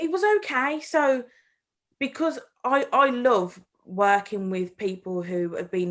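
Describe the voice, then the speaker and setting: The speaker has a Birmingham accent and lively intonation. The pace is fairly slow, over a quiet background. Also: woman. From England, Birmingham. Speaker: radio documentary maker, prize winner. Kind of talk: interview.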